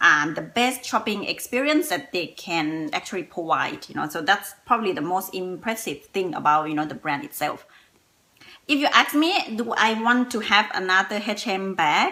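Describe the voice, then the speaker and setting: A woman speaks with a non-native accent at a moderate pace. Her pitch sits in the middle of the female range, yet it swings very widely. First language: not English. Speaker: fashion vlogger. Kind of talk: casual vlog monologue. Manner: halting, many fillers.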